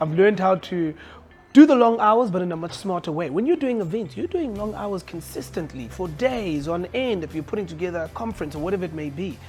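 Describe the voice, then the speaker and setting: Over music in the background, a man with a high voice rattles off words at a very fast pace with lively intonation. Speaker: radio DJ and entrepreneur. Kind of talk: interview answer.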